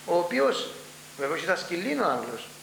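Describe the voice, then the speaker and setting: A man's voice: a little high, vocal fry. An older man with a Cypriot Greek accent, recalling past events in an oral history interview and acting out the dialogue as he tells it. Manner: animated storytelling, acts out dialogue. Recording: echoey room with faint hum.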